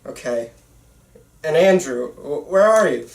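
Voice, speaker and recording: Amateur script reader, casual delivery, slight stammer, mid pitch, echoey room. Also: animated, a little slow, a little mellow. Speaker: amateur actor reading the lead part. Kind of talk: table read of a film script.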